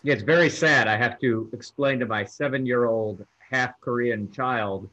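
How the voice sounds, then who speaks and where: A man's voice: mid-range voice, moderate pace, pushed and bright. A man taking part in a discussion, speaking in an earnest, saddened way. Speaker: audience participant. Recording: dull lo-fi audio.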